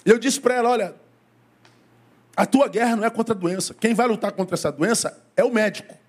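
At a fairly quick clip, a middle-aged pastor preaches to the people in his church and asks them questions. His voice swings broadly in pitch and pace.

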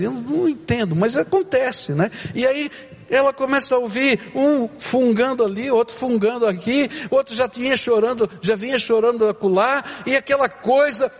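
A male pastor preaching a sermon, with dramatic swings between loud emphasis and hushed, slow moments. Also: very high voice, in a large hall.

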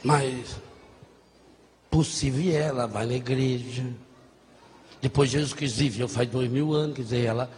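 A man voicing a weary, resigned father, talking slowly with a sigh in his voice. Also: medium pitch, steady tone, darkish tone, pitched below the performer's own voice, lightly acted. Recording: echoey hall, faint noise.

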